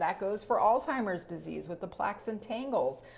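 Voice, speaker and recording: Audible room echo hangs on this recording. The woman speaking has a medium pitch. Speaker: neuropsychologist. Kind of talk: lecture. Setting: livestream video. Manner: fast; enthusiastic.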